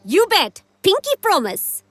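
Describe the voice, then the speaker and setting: A woman's voice: extremely high pitch, wildly swooping pitch, measured pace, fairly bright tone, dry recording, heavily acted. An actress voicing a chummy, earnest young woman mercenary in a video game, emphatic and bubbly. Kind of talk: video game character acting.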